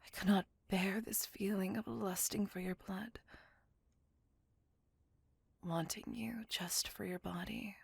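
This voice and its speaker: A woman's voice: medium pitch, steady tone, slow, pauses often, no room sound, heavily acted. A woman whispering as a brooding vampire lover. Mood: longing. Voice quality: breathy, gravelly whisper. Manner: soft confessional whisper throughout. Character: brooding possessive female vampire lover, centuries old. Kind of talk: whispered ASMR roleplay.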